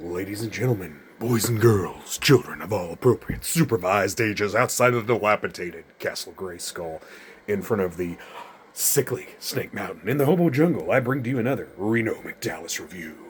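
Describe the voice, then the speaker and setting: A man's fairly quick, somewhat breathy voice at a medium pitch, with lively intonation. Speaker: toy review youtuber. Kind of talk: casual review monologue. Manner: animated.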